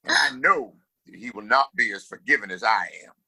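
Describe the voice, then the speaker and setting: A man's voice: fairly low pitch, huge pitch swings, fairly quick, vocal fry, sharp tone, exaggerated voice, rough recording. A man playing a pompous, scheming Old West town boss in an audio play, speaking in a grandiose, commanding, wordy way. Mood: menacing.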